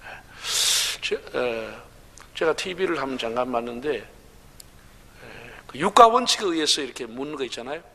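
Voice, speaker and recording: Bright-voiced Gyeongsang pastor in a church hall. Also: male voice, mid-range voice, expressive, moderate pace. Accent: Gyeongsang Korean. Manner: humorous, chatty preaching with laughs to the crowd. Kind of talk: sermon at a revival meeting. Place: large church sanctuary.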